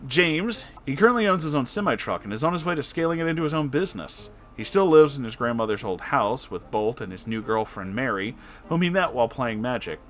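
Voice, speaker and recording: A man narrates an online story with dramatic, expressive phrasing in a casual register. His voice sits at an ordinary male pitch, and music plays clearly behind him. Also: a little fast. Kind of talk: dramatic story reading with personal reactions. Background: background music.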